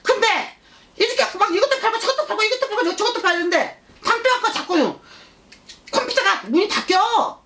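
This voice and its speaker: A woman's voice: extremely high pitch, animated, a little fast, a bit bright, exaggerated voice. A woman shaman voicing a blunt, childlike spirit in a consultation, repeating herself insistently and prodding with scolding questions. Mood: pleading, insistent. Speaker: shaman fortune-teller.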